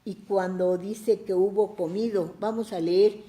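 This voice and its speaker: A woman's voice: medium pitch, steady tone, a little slow, warm tone, echoey room. A woman with a Mexican accent leading a church Bible study and giving an emotional personal testimony, fervent and exclamatory. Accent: Mexican Spanish. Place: church hall.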